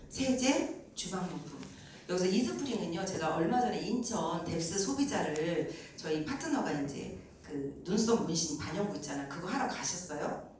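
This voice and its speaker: A middle-aged woman giving a sales seminar, telling stories with animated acted-out dialogue and frequent laughter. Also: on the low side. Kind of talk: business presentation with anecdotes. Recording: echoey room, mic at a distance, faint noise.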